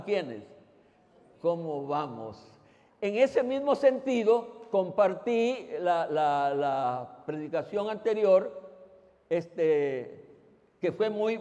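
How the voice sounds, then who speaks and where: A man's voice: a little high, warm tone, big-room sound. A man preaching a sermon in a conversational way, often asking the congregation questions and restarting his phrases. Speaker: pastor. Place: church.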